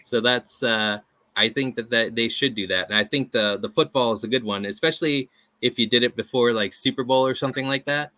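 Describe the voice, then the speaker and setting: A man interviewing a guest in a relaxed chat, halting often with fillers and small chuckles. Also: mid-range voice, no echo. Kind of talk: casual interview.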